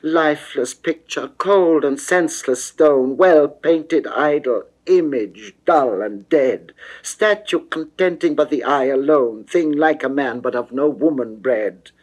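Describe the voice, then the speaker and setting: A man's voice: on the high side, takes it slowly, voice pushed up, low-quality recording. A man voicing a lovesick, seductive goddess who pleads and coaxes in theatrical classical verse. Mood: scornful pleading. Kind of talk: classical dramatic verse reading.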